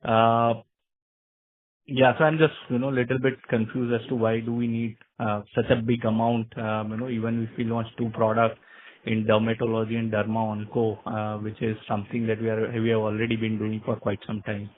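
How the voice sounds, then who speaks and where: A man asking business questions as an analyst on a phone call, polite and halting in his delivery. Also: on the low side, level tone, a little hiss or hum. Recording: tinny narrowband phone line.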